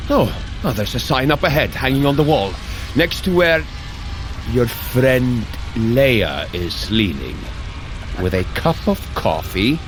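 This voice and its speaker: A man's voice: mid-range voice, very animated, slow, over music. A man voicing a Norse god in an audio drama, an earnest, squeamish big brother with a theatrical, indignant, grumbling delivery. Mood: nervous, hesitant.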